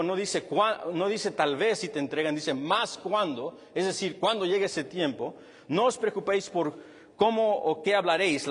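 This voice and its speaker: A male pastor preaching a sermon with a husky voice, animated and then dropping low and quiet to stress a point. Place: church hall with long reverb. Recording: reverberant church hall.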